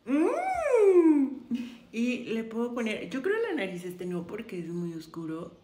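A woman's voice: medium pitch, sing-song, moderate pace, darkish tone. A woman, chatting effusively to viewers while trying on makeup. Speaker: beauty vlogger. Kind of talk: casual makeup try-on chat. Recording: roomy echo, faint room noise.

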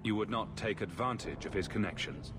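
Man as a low-voiced, serious fantasy hero. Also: brisk, background noise, natural voice. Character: composed, serious adult male fantasy adventurer hero. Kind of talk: video game dialogue.

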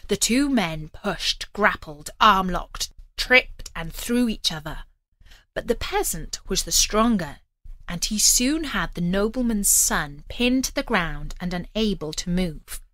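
A woman narrating a scripted storybook tale in an expressive, deliberate manner. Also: medium pitch, no room sound.

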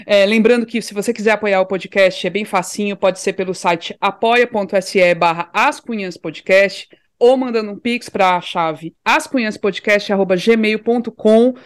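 A woman co-hosting a podcast, chatting casually and sending warm shout-outs. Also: medium pitch, a little slow, hardly any pauses, clean tone. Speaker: podcast co-host.

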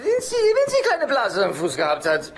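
A needy, easily offended sitcom dad. He stammers and whines with lively swings of pitch. Studio laughter and noise sit in the TV soundtrack. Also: normal speed, crowd noise, exaggerated voice. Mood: drunk, maudlin. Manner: hesitant, indignant, stammering. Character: whiny, needy divorced dad, a chiropractor. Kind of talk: German-dubbed TV sitcom acting.

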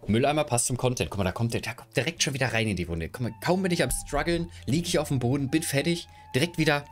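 Talking fast in a mid-range voice over soft background music, a young man chats casually with his stream viewers from his room at home. He wears a headset mic and moves his camera and gear around as he goes.

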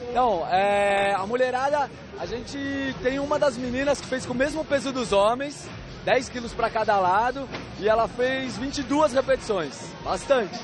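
High-voiced man at a crowded expo. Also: normal speed, a crowd in the background. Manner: matter-of-fact, explaining. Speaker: physical educator at a stand. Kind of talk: interview answers. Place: busy indoor sports expo. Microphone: reporter's handheld mic.

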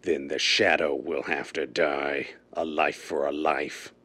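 A commanding crime boss in a 1930s-style radio drama. The voice is exceptionally deep, grave and terse, full of menace. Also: male voice, steady tone, slow, fairly bright tone, exaggerated voice. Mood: cold, commanding.

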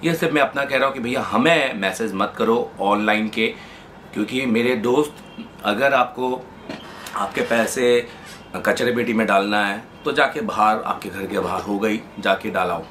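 A man's voice: mid-range voice, fairly bright tone, a little hiss or hum. A man who teaches mobile phone repair, giving an emphatic, repetitive, colloquial promotional talk to camera, mixing in English words.

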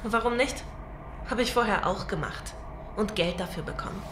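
A woman's voice: mid-range voice, moderate pace, lightly acted. Actress as brazen scheming woman, echoey room. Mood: cynical, defiant. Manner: cynical, unashamed. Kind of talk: German audio drama acting. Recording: echoey room, clear background noise.

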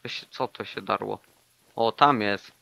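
A young man chatting casually and excitably while playing a hunting game with a friend. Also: fairly low pitch, a little slow, vocal fry, no room sound. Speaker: gaming YouTuber. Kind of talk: casual co-op gameplay chat.

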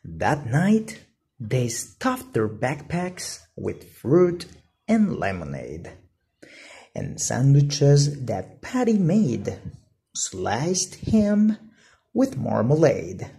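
A woman reading a children's story aloud with deliberate, expressive and dramatic phrasing. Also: very deep voice, creaky. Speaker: storybook reader.

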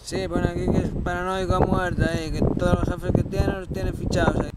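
High-voiced comic in wind. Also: male voice, flat delivery, a little fast. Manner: rambling, profane, mock-solemn. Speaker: vlogger. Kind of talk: absurdist comic monologue. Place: outdoors on a hillside. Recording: heavy wind noise outdoors.

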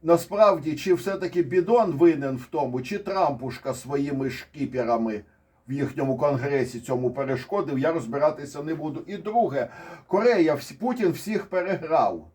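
Ukrainian guy talking over charts, kinda higher voice, wanders off topic, lots of restarts. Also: lively intonation, a little mellow. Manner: digressive, ironic, speaks with pauses and restarts. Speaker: military commentator. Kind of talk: casual spoken commentary on charts.

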